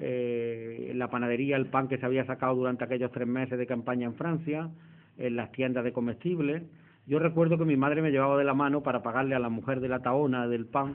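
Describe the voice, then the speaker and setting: With fairly even intonation, a man talks at a medium pitch and a fairly quick pace. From Andalusia, Spain. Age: 50s. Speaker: left-wing politician. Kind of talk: public talk. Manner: halting.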